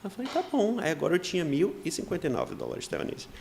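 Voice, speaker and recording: A man's voice: fairly high pitch, fast, vocal fry, a little hiss or hum. A man, a missionary guest, telling a personal faith story in an earnest way, acting out what people said to him. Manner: earnest, acts out quoted dialogue in lively voices.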